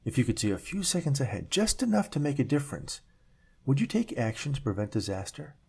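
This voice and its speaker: A man narrating scripted stories as a podcast host, with a measured, dramatic delivery and deliberate pauses. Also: medium pitch, very animated, creaky, a little mellow, slightly rough.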